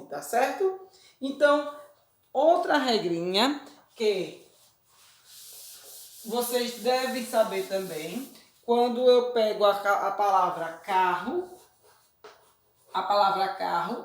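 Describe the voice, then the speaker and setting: A woman teacher giving a recorded lesson, explaining rules patiently and often checking that her students follow. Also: medium pitch. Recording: roomy echo.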